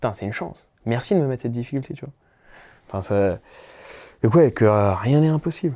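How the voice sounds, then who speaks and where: In a very clean recording with a silent background, a man speaks fairly quickly in a dark, mellow tone at medium pitch. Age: 20s. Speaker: entrepreneur. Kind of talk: casual chat. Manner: animated.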